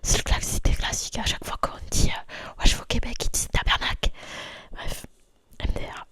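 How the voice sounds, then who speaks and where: A young woman from France, whispering softly in an ASMR video and repeating words over and over in a dimly lit room. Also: fairly quick. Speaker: ASMR creator.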